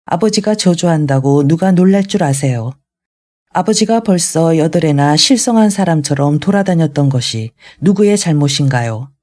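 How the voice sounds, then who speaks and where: An audiobook reader voicing a young man bitterly confronting his father, in a mellow tone. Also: medium pitch, lightly acted. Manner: bitter, raised voice.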